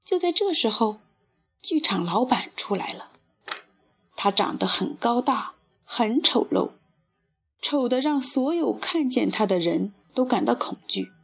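Woman, children's storybook reader, gentle, expressive, breathy, unhurried. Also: on the high side.

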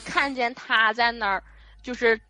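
A woman tells an eerie personal story in a relaxed spoken way, her voice sitting a little high. She gets animated and often restarts her sentences, and the sound is dry and close. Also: unhurried, no room sound, soft background music. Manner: animated, vivid retelling with frequent restarts. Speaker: guest storyteller.

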